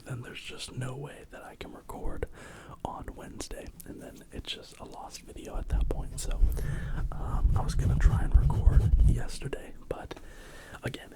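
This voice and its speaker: An American man speaking in a soft, mostly whispered ASMR style, rambling casually and informally close to the microphone. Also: medium pitch, creaky. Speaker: ASMR video creator.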